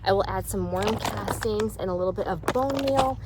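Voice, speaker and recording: A woman's voice: medium pitch, normal speed, heavy background noise. A woman chatting casually through a gardening vlog outdoors in her backyard, walking around and showing her plants, recorded on a phone, getting out of breath as she works. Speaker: gardening vlogger. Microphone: phone camera.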